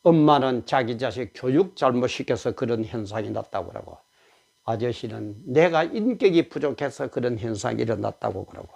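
A man's voice: mid-range voice, lively intonation, moderate pace, gravelly, darkish tone. A male pastor, preaching an emphatic, exhorting sermon.

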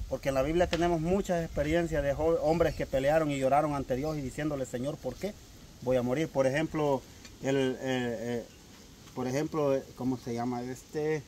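A man's voice: medium pitch, steady tone, normal speed, a little mellow. A man, speaking in a preachy manner. He retells scripture with rising emphasis. A faint hiss runs under the recording. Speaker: religious cousin. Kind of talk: comedic sketch conversation.

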